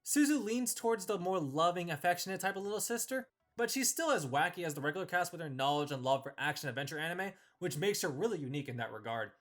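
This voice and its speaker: A man's voice: high voice, lively intonation, fast talker, hardly any pauses, fairly bright tone. A man hosting a video, giving scripted review commentary as he ranks characters in a tier list.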